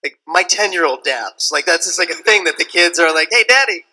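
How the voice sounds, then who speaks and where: Middle-aged male panelist, high bright voice, animated storyteller who laughs a lot. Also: a little fast, rough recording. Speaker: convention panelist. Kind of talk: comedic panel banter.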